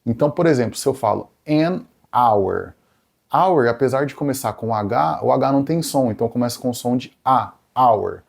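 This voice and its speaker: A man with a Brazilian Portuguese accent teaching English grammar in Portuguese, slowing down for the English example sentences and checking in with the viewer after each point. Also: mid-range voice, animated, creaky. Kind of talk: grammar lesson explained in Portuguese.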